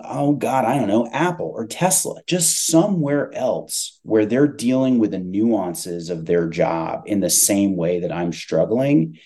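Guy on a business podcast, lowish soft-edged mellow voice, emphatic, chatty delivery. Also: vocal fry. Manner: emphatic, repeats phrases for stress. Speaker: podcast guest, tech company CEO. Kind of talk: conversational business discussion.

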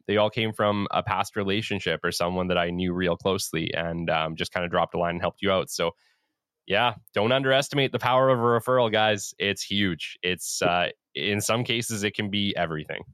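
A man hosting a business podcast, chatting in a relaxed, encouraging way with his guest. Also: low voice, fairly quick, clean tone, dry recording, studio quality. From Western Canada. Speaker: podcast host. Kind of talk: casual interview chat.

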